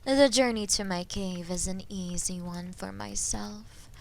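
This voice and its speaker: A woman voicing a haughty, menacing female dragon in a fantasy audio roleplay, imperious and possessive, with deliberate delivery and breathy phrase endings. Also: medium pitch, darkish tone, poor audio. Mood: haughty, commanding. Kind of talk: slow, dramatic roleplay audio acting.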